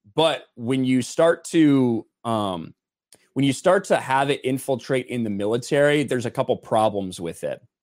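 A man with an American accent has an unremarkable speaking voice at medium pitch and moderate pace. His intonation is lively, on a very clean recording with a silent background. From US Midwest (Indiana). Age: 30s. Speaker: navy veteran and YouTube commentator. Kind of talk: interview.

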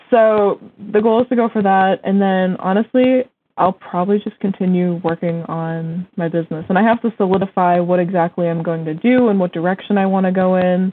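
A woman with a normal speaking voice and an American accent talks at a fairly quick pace with hardly any pauses, her medium pitch kept to fairly even intonation. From Massachusetts. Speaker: college student and freelancer. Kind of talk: interview.

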